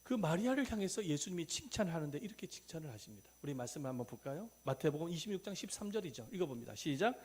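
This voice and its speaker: A male pastor delivers a sermon with a fairly high, very animated voice that climbs and dips. He calls the congregation to read scripture together, then drops to quiet, conversational remarks. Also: racing, few pauses, a little hiss or hum. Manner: leads congregation in scripture reading, swinging between loud and hushed; acts out quoted dialogue in plain, conversational speech.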